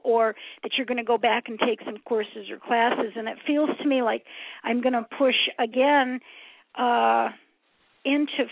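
A middle-aged woman from upstate New York giving a live psychic reading on a call-in show, halting as she thinks aloud and addressing callers with familiar endearments. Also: on the high side, no echo. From upstate New York, United States. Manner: familiar, calls callers hon and sweetie. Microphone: telephone. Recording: narrow, tinny phone-line sound.

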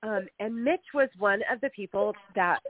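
A woman's voice: mid-range voice, normal speed, no echo. A middle-aged woman hosting a radio interview, upbeat and chatty, stuffed up with a cold. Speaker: radio show host. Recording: tinny phone-like radio audio with faint music.

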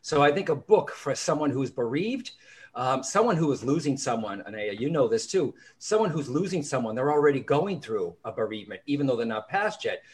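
A man's voice: mid-range voice, brisk. A man with a Boston accent, a guest author talking casually and animatedly in an interview, full of restarts and asides. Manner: chatty, animated storyteller with restarts. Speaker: psychic medium and author, guest.

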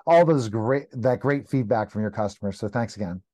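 A man's voice: lowish voice, brisk, dark tone. A man hosting a talk show interview, asking encouraging, leading questions.

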